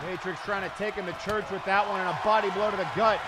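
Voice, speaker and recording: A man delivers excitable wrestling commentary in a very high-pitched voice. He makes dramatic play-by-play calls. A loud crowd and heavy noise surround him. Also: fast.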